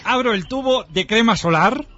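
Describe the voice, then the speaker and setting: A man's voice: extremely high pitch, animated, moderate pace. A man hosting a radio game, reading a story aloud in a playful, theatrical way. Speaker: radio host. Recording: dull radio audio with music behind.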